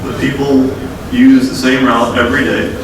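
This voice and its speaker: In a conference room, a state transportation official talks casually and directly to the audience, addressing them as folks, while a cold wears down his voice until he's losing it. He keeps a medium pitch with little movement at a moderate pace. The recording is noisy, with an echoey hall and a distant mic.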